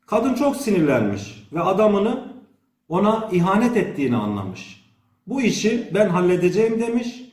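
Man, scripted children's storytelling, animated melody, falling sentence endings, echoey room. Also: high-pitched. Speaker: education official reading a fairy tale. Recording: roomy, echoing sound.

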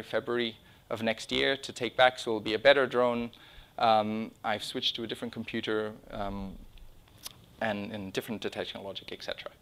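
This middle-aged man has a fairly low, fairly bright voice and presents his own project informally, with slides, conference-style. His phrasing is conversational and self-interrupting. He's in an indoor meeting room or small lecture room.

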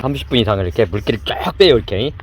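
Male cooking host, lively running commentary, heavy rain noise behind. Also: mid-range voice, racing. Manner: repetitive running commentary while working, chanting instructions. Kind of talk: hands-on cooking demonstration. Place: indoors with downpour outside.

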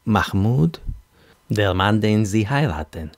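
A man's voice: on the low side, lively intonation, takes it slowly, no echo, clean studio sound. A man voicing a pushy, talkative Arab Christian man who repeats himself pompously, in an audiobook. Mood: insistent. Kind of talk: audiobook character voice.

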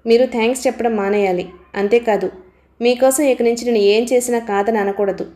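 A woman's voice: on the high side, steady tone, a little fast, close to an everyday voice. A woman voicing an assured, protective man. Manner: assured, quietly commanding. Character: confident, protective grown man.

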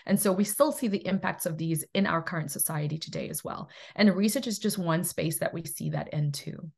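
A woman's voice: on the low side, fairly quick, vocal fry, breathy edge. A middle-aged woman from South Africa giving a recorded lecture from home over webcam, earnest and thoughtful, with many fillers and restarts. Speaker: presenter in a university research toolkit.

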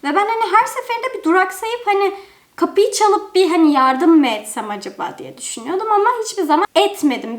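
A young adult woman telling a personal story to camera in a casual, animated, chatty way with many fillers. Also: very high-pitched. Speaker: storytime vlogger. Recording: roomy echo.

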